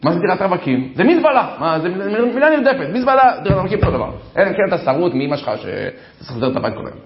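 A man in his forties lectures an audience about marriage and self-improvement, with a gravelly edge on his voice and a pitch that leaps around as he jokes about himself. The sound is roomy and echoey, with dull lo-fi quality, as if recorded in a hall. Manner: lively storytelling, jokes about himself, speaks straight to listeners. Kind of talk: humorous talk to an audience.

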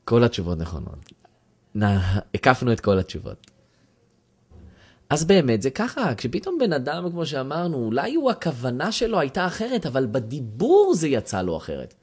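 A man's voice: mid-range voice, wildly swooping pitch, a little mellow, breathy edge. A man giving a lecture to a class and asking the audience questions. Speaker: teacher.

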